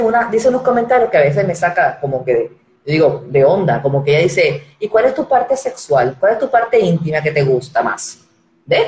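Animated woman in her forties chatting. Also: on the low side, reverberant, low-quality recording. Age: 40s. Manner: animated, acts out quoted voices, repeats words. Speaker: live-stream host. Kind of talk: casual chat commentary.

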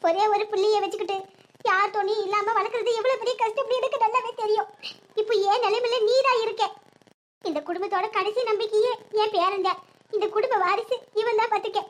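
A woman's voice: extremely high pitch, fairly even intonation, brisk, slight background noise. A woman voicing a grieving older village mother-in-law with a southern Tamil Nadu accent, lamenting and giving advice. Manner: lamenting, advising.

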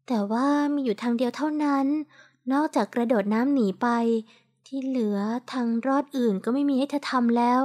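A woman narrating a romance audiobook in a steady, even storytelling voice. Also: sits high, moderate pace. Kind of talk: scripted narration.

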